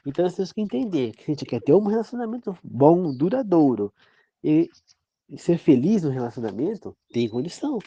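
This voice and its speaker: A man from Brazil preaching in a loose, rambling way and often checking that his listeners follow him. His voice sits fairly high for a man but sounds dark and mellow. The recording is dull and lo-fi, with a dry, close sound. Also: very animated, fairly quick, breathy edge, dry recording. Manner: rambling, often asks "entendeu?". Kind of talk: informal sermon-style talk.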